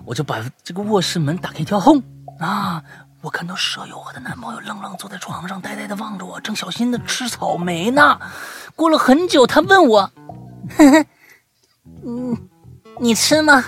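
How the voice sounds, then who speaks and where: A male podcast host reading listener stories aloud and chatting about them, talking in a lively, excitable way and stammering and repeating himself when worked up. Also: high voice, brisk, faint music behind. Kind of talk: casual storytelling podcast.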